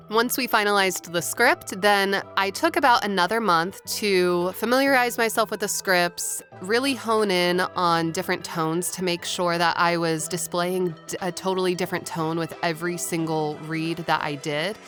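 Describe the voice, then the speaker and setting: A woman's voice: lowish voice, a bit bright. A woman voice-over artist talking to viewers in an informal explainer vlog. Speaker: voice-over artist sharing industry tips.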